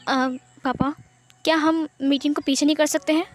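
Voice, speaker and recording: A woman voicing a defensive young man who haltingly explains himself to his parents in a fan story reading. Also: high voice, steady tone, lightly acted. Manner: hesitant, explaining.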